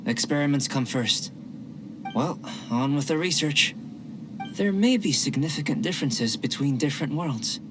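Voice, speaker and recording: Man doing a young game alchemist, composed, precise, curious, mid pitch. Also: close to an everyday voice. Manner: precise, composed, polite scientific phrasing. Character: calm young male alchemist, curious and measured. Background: game music.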